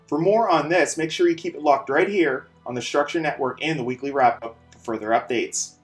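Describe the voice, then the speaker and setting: A man hosting a scripted weekly video game news show, speaking in an emphatic, informal, hyped-up way with dramatic pauses. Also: on the high side, faint music behind.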